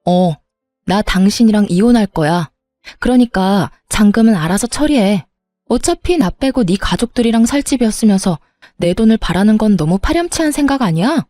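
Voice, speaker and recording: A woman's voice: mid-range voice, expressive, moderate pace, warm tone, no echo, soft background music. A woman narrating her own story in the first person, speaking in a cool, cutting and firm manner.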